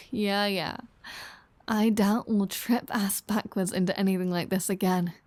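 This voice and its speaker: A woman acts out a flirty female vampire, an unrepentant predator in an intimate audio roleplay. She talks slowly in a mellow, relaxed voice, teasing and sardonic with plenty of swearing. The sound is close and dry. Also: mid-range voice, no room sound, lightly acted. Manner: teasing, sardonic, foul-mouthed.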